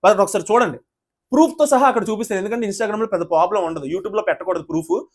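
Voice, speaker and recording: A man's voice: high-pitched, quick pace. A man ranting indignantly in an opinionated video review, often addressing the viewers as "brother". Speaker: YouTube reviewer of a reality show.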